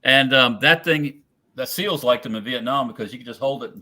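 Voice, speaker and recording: A man's voice: mid-range voice, brisk, pushed and bright. A man chatting casually about guns, rambling and trailing off, often chuckling. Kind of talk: casual firearms chat.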